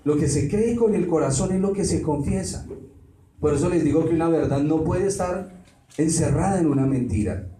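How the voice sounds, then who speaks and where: A preacher with a warm voice on the high side speaks at normal speed, putting rhetorical questions to his congregation. The sound is roomy, picked up from afar in a hall with faint background noise.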